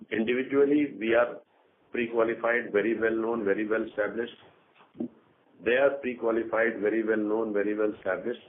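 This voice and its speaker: A man answering as a company executive on an earnings call, speaking in a measured, halting way and often clearing his throat, over a phone line. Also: fairly low pitch, slight background noise. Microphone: conference call phone line. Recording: narrow tinny phone line.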